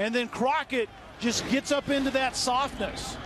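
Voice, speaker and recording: A man with an extremely high pitch at a fairly slow pace, noticeable background noise around him. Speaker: football color commentator, former player. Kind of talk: live football color analysis. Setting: stadium broadcast booth. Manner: measured, explanatory analyst breaking down plays.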